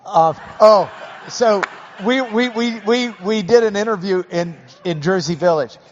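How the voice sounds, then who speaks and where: A man's voice: sits high, a little hiss or hum. Folksy Texan man hosting in a hall. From Texas. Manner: folksy and joking, slows things down to explain. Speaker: host. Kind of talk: live interview before a class. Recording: dull audio with long hall reverb.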